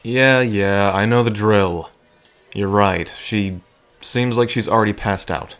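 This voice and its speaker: A man's voice: fairly low pitch, slow pace, fairly bright tone, soft background music. A man playing an awkward, wry bartender and reluctant sidekick in an audio drama, hesitant and given to muttered asides. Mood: teasing, resigned. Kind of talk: dramatic audio roleplay acting.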